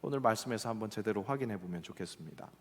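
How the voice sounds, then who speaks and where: Pastor preaching in a reverberant church. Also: male voice, on the low side, animated, very fast. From Seoul, South Korea. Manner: storytelling with acted quotes and folksy humor. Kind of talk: sermon. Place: church sanctuary. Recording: church hall with long reverb.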